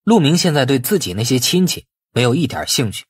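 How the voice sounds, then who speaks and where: A male audiobook narrator tells a story with lively, varied intonation. His voice is mid-pitched and slightly husky, recorded close and dry. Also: a little fast, no room sound. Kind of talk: expressive scripted novel narration.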